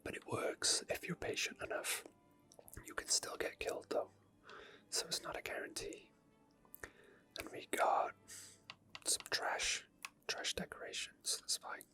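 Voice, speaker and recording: A person whispering unscripted ASMR gameplay commentary in a soft, breathy, unhurried way, thinking aloud. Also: faint music behind. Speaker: gaming ASMR video creator.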